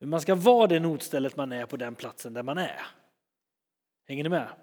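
Lively preacher with a high voice in a large hall. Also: male voice. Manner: lively and chatty, acting out scenes. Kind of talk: sermon, storytelling.

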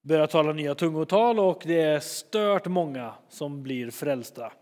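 A man preaching a sermon in a lively, chatty way, retelling stories and acting out scenes. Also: on the high side, in a large hall. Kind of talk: sermon, storytelling.

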